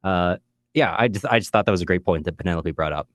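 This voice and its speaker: A man's voice: low voice, fast talker, no echo, studio quality. A man from California with an American accent, co-hosting a casual literary discussion in a reflective way with some wry joking. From California, USA. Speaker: podcast co-host.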